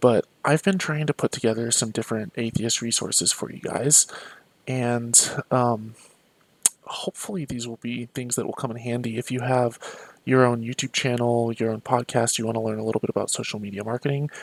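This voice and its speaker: Soft-spoken and medium in pitch, a man talks at a fairly quick pace with fairly even intonation, the sound dry and close with no echo but noticeable background noise. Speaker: YouTuber, atheist activist. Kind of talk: live stream talk. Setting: basement of a rental home. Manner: quiet, talking softly.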